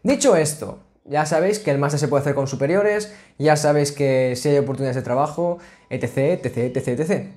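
Young guy chatting at his laptop cam, fairly high voice, keeps restarting, small home office. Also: brisk. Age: 20s. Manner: chatty, restarts and filler sounds, animated hand gestures. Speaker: student vlogger. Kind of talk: casual explainer vlog. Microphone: laptop webcam, framed at a desk.

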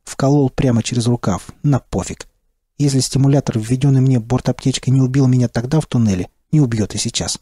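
A man narrating an audiobook in the first person with a steady, terse delivery. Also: medium pitch, fairly quick, slightly rough, no room sound, clean studio sound.

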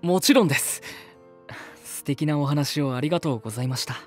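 A man's voice: a little high, a little fast, natural voice. An actor playing an earnest, polite young man in a voice drama, speaking with mild sincerity. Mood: shy, polite. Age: young adult. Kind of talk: voice drama dialogue and reflective narration. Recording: music behind. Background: music.

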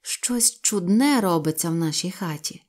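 A woman voicing a sensible peasant mother in a storybook reading, speaking quietly. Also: lowish voice, expressive, moderate pace, lightly acted. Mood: plain.

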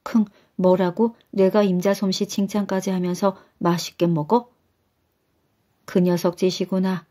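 A woman's voice: mid-range voice, flat delivery, measured pace, warm tone, natural voice. A woman voicing a grumpy old man with a blocked nose who snorts before he talks and scolds his wife. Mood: scolding.

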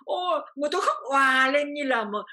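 Older woman from Vietnam, interview guest; emotional storyteller who repeats phrases, with a bright, slightly high voice. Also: animated, a little fast. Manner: repeats phrases, voice rising with feeling.

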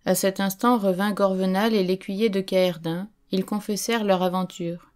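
A woman reading an audiobook as narrator, in a measured, solemn storytelling manner. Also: mid-range voice, steady tone, darkish tone. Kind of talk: scripted narration.

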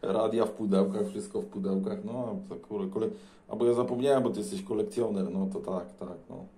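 A man's voice: on the low side, steady tone, fairly quick, warm tone. A Polish man chatting casually as a CB radio operator, recorded indoors beside his transceiver. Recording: echoey room, faint noise.

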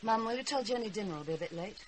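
A woman's voice: mid-range voice, animated, very fast, a little hiss or hum, natural voice. An actress playing a wry, weary middle-aged mother in a radio drama. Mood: flustered.

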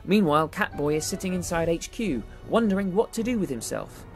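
A woman's voice: on the low side, expressive, brisk, darkish tone. A woman reading scripted narration for a children's story in a dramatic storytelling manner. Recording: music behind the voice.

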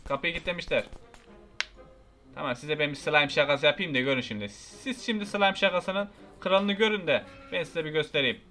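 A young man giving excitable, frustrated gameplay commentary, shouting at the characters on screen. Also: fairly high pitch, a little fast, soft background music. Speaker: gaming YouTuber.

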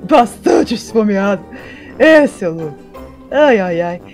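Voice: mid-range voice, very animated, slow pace, soft background music. A performer voicing a dopey, friendly, teasing male cat with a dim-witted drawl in a Minecraft role-play.

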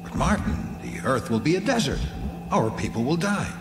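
A man's voice: on the high side, very animated, moderate pace. A man voicing a determined male resistance leader in a read-along story, speaking in a tense, questioning way. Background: music.

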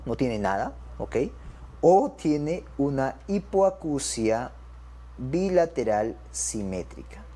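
A male medical lecturer with a mellow, warm tone and a lively, swinging delivery. He teaches an exam-prep class to doctors and keeps checking in with them as he goes. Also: mid-range voice, slightly rough. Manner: addresses the audience as doctors.

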